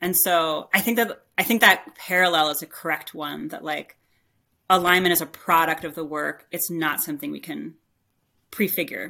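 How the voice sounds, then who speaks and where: At a moderate pace and in an American accent, a bright, sharp voice with vocal fry shows ordinary pitch variation and big swings in loudness, on a very clean recording with a silent background. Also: woman, fairly low pitch for a woman. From US, Pittsburgh area. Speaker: community organizer. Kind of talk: interview.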